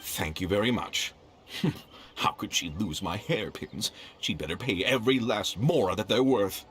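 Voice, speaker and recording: A man's voice: fairly low pitch, a little slow. A man playing a fussy, indignant jewellery merchant in a video game, with a theatrical, polite but exasperated manner. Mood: bitter. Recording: game dialogue under loud background music. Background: game music.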